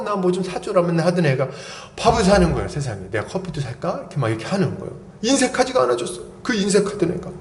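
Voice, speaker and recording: High-voiced preacher in an echoey church. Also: male voice, a little hiss or hum. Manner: animated storytelling, acting out voices. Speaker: pastor. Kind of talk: sermon.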